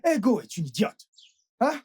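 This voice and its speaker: An actress voicing a loud, greedy woman obsessed with her money in a dubbed film drama, stammering and squabbling. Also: on the high side, sing-song, unhurried, husky, exaggerated voice. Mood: mocking.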